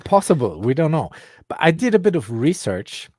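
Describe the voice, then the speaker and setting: A man's voice: a little high, very animated, moderate pace, a little mellow, no room sound, studio quality. A man hosting a casual crypto podcast, chatty and laughing often. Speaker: host.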